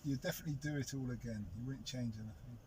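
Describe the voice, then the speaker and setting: A man's voice: medium pitch, fast talker, crowd noise, low-quality recording. A man hosting a casual interview podcast from his taxi, asking short, direct questions in a friendly way. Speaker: taxi driver podcast host. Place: inside a car. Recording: road noise inside a car.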